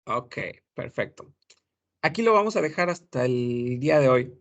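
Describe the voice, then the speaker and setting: A man teaching a class, explaining slowly and repeating example phrases aloud. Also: medium pitch, expressive, a bit bright. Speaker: French teacher for gastronomy students. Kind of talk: classroom lecture.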